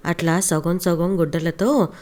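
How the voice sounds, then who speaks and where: A woman voicing a loud, sarcastic young daughter-in-law who scolds her in-laws. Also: on the low side, fairly even intonation, a little slow, natural voice. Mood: scolding.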